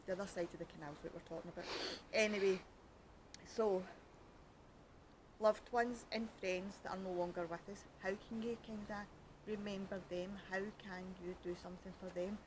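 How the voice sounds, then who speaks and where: At night by a canal, a Glaswegian woman from Scotland hosts a casual podcast chat full of rambling jokes and self-mockery, cold and with freezing fingers. Her medium-pitched voice is steady at a normal speed, recorded in low quality with slight background noise.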